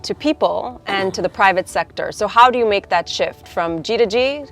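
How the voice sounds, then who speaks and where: A woman's voice: mid-range voice, normal speed, fairly bright tone, faint music behind. A woman interviewing a guest for a news outlet, with a poised scripted introduction and direct questions.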